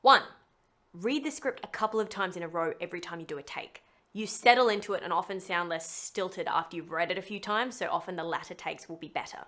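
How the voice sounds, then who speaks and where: A woman's voice: lowish voice, fast, a bit bright. A woman narrating a scripted tutorial in a chatty, playful way with wry asides. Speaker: voice actor giving a tutorial.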